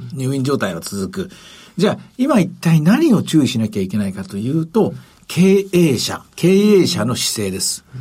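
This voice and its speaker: His pitch is fairly high and swings very widely. The man's tone is dark and mellow. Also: moderate pace. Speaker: financial strategist, show personality. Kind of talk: live radio market analysis. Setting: studio.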